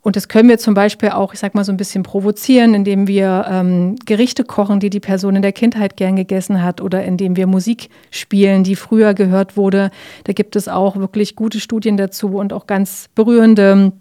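Give me a calm woman with a mellow voice explaining things patiently in an interview. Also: mid-range voice, a little fast. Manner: calm, explanatory, frequent fillers and tag questions.

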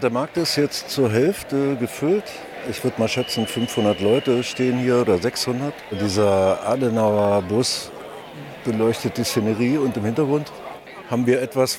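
A man's voice: medium pitch, moderate pace, a crowd in the background. A man reporting and interviewing on a market square during a rally, with dry, wry remarks.

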